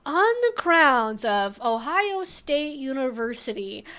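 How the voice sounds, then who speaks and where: A woman putting on an outraged conservative TV news anchor, delivering a mock exposé with slow, dramatic emphasis. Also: sits high, sing-song, fairly bright tone, smooth, exaggerated voice. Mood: mock scandalized.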